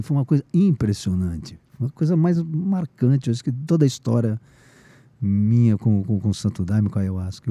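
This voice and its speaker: Middle-aged male guest, warm relaxed voice, dry close sound, lively storyteller who acts out his own quotes. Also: medium pitch, dry recording. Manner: lively, acts out his own past lines in a raised excited voice; informal, frequent slang fillers. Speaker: podcast guest, teacher of shamanism. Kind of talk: casual storytelling in a conversation.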